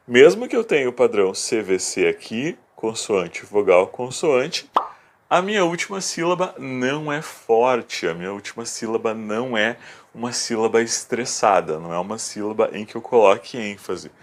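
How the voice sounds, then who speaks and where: A man teaching a video lesson, explaining rules patiently and step by step, repeating key words slowly. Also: mid-range voice, lively intonation. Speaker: English teacher.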